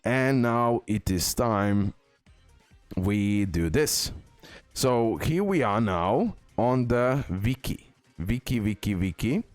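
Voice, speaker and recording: A man's voice: lowish voice, animated, slow pace, dry recording, soft background music. A man presenting a game guide as a video host, repeating key points for emphasis. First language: not English.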